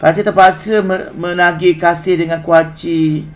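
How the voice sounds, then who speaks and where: A man's voice: on the high side, fairly even intonation, measured pace, slight background noise, rough recording. A man with a Malaysian Malay accent hosting a gaming stream, teasing his teammates in casual banter. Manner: teasing, playful, calls others "Cok".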